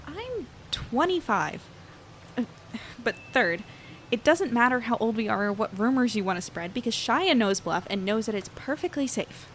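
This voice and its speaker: A woman's voice: fairly high pitch, lively intonation, moderate pace, a little hiss or hum, close to an everyday voice. A woman in her twenties playing an earnest young reporter in an audio drama, conversational and hesitant as she thinks aloud. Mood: indignant. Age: 20s. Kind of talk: audio drama, naturalistic monologue and dialogue.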